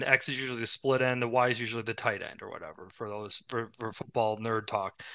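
A man speaks at a fairly quick pace in a bright, sharp tone. The background is quiet. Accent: American. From Chicago. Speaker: football podcast co-host. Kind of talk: casual chat.

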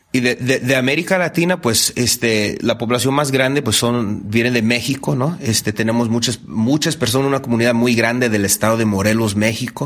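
A medium-pitched man at a moderate pace with ordinary pitch variation, very even loudness and hardly any pauses, over noticeable background noise. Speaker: podcaster and parent facilitator. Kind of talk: interview. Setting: empty classroom. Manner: halting, many fillers.

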